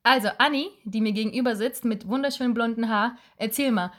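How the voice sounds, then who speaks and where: A young woman with a somewhat high voice co-hosts a relaxed podcast from her apartment. She teases her co-host playfully and laughs often between her lines. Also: a little fast. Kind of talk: casual chat. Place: her own apartment living room.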